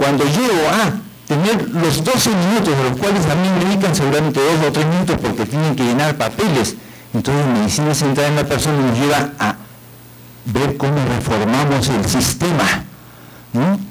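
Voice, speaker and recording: Against noticeable background noise and audible room echo, a man speaks in a fairly high voice with lively intonation and very even loudness. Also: moderate pace. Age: 70s. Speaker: physician and professor. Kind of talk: panel discussion.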